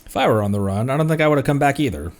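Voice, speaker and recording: Animated, joking male streamer. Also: medium pitch, racing. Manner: jokey, chatty reactions. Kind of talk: casual game commentary. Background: game music.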